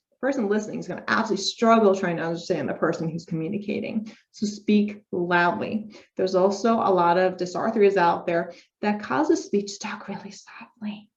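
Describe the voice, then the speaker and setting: Woman, speech therapy lecturer, upbeat, step-by-step explaining, medium pitch, muffled lo-fi sound. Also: brisk, few pauses, a little mellow. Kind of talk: informal recorded lecture. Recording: dull lo-fi recording.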